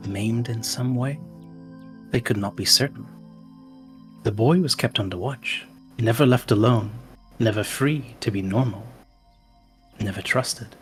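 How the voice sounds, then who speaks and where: A man playing a tabletop game, telling an ominous story in character with a slow, dramatic delivery. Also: mid-range voice, soft background music. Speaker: player.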